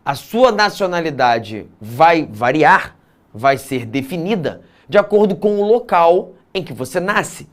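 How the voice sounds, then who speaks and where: A man teaching an exam-prep geography lesson, mixing clear explanation with casual asides and frequent tag questions. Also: fairly high pitch, big pitch swings, measured pace.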